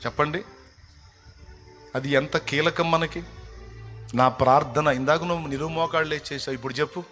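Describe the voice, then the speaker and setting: A fervent male preacher delivers a sermon, rising to loud cries and dropping to hushed intensity. His voice sits a little high for a man. Faint music runs underneath. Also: steady tone, normal speed.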